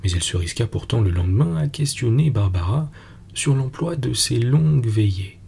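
A man narrating a classic fairy tale in French, measured and unhurried. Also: medium pitch, lively intonation, creaky, darkish tone, husky.

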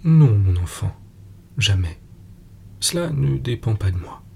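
A man reading the lines of a calm, guarded woman governess called a fairy, in a slow, low, gravelly voice. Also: heavily acted. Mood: calm, secretive. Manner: tranquil, guarded, gently firm.

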